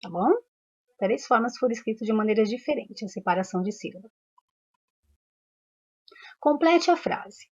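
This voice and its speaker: A woman's voice: medium pitch, fast talker, slightly rough, dull audio. A woman teacher with a Brazilian Portuguese accent, patiently explaining a lesson step by step and checking if the class follows. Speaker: primary school teacher.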